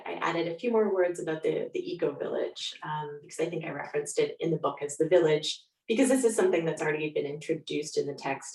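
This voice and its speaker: A guest author with a slightly low, somewhat mellow voice speaks conversationally in an interview. She is some distance from the mic, and the room sounds echoey.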